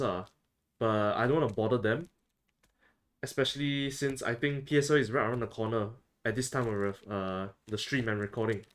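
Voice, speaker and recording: A young man from Singapore with a Singaporean English accent, chatting casually and self-mockingly on a livestream. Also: mid-range voice. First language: Chinese. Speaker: VTuber streamer.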